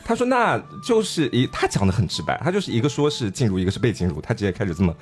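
A man's voice: on the low side, big pitch swings, rapid-fire. A man co-hosting a podcast, telling a story in casual chat with lots of laughter. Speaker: podcast co-host.

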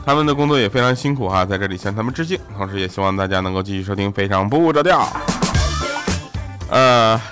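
A man's voice: lowish voice, animated, quick pace, over music. Young male comic host, joking and laughing through anecdotes. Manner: jokey, laughs often, mimics family in quotes. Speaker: radio show host. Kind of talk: comedic storytelling chat.

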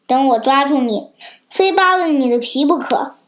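A woman's voice: high voice, lively intonation, moderate pace. A young child voicing a trusting male shepherd who speaks earnestly and with feeling. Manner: earnest and emotional.

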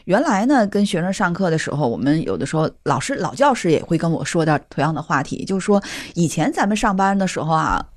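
Woman teacher guest, 40s, expressive storytelling delivery with plenty of laughter, dry studio sound. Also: fast talker, hardly any pauses, dry recording. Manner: animated storyteller, laughs often, softens to a gentle low voice when quoting herself. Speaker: middle school teacher, guest. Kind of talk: casual chat, telling classroom stories.

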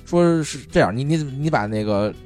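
A man's voice: mid-range voice, moderate pace, soft background music. A man, a podcast co-host telling a story in casual chat, cursing freely and restarting his words. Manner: animated storyteller, swears freely, stammers restarts.

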